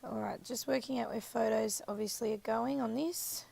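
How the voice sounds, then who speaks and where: Croaky woman rambling through a craft voiceover. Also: on the high side, steady tone, normal speed, mellow. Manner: chatty, rambling, self-correcting. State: croaky, scratchy voice. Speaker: craft video maker. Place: voiceover recorded apart from the footage.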